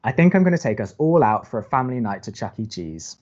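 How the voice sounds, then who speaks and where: A man acting as a young college radio co-host, dry, skeptical and sarcastic, with halting delivery in an audio drama. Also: mid-range voice, big pitch swings, a little mellow, lo-fi sound, natural voice. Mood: awkward, flustered. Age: young adult. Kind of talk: naturalistic audio drama banter.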